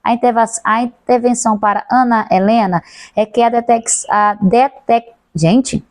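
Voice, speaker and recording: Fast-talking Brazilian woman teacher. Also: on the high side, fairly even intonation, darkish tone, no echo. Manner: fast-talking, swallows words and corrects herself. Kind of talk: recorded class lecture.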